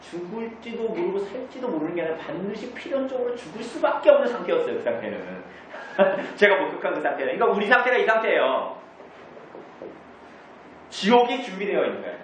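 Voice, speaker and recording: A man's voice: sits high, sing-song, brisk, fairly bright tone, a little hiss or hum. A man teaching a church group about the catechism, asking the congregation questions and answering them himself. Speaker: pastor. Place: church meeting room. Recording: distant, echoey, dull room recording.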